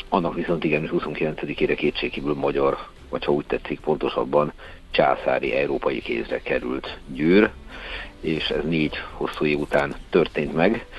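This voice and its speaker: Through noticeable background noise, a man talks at neither a fast nor a slow pace. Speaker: historian. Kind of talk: phone interview. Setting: phone call. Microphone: breaking up connection.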